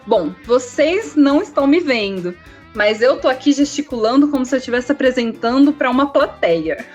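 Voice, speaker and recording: A woman's voice: high-pitched, lively intonation, normal speed, darkish tone, dull audio, faint music behind. A young woman with a Brazilian Portuguese accent, a speech therapy student, explaining vocal care as a podcast guest in a didactic tone. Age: young adult.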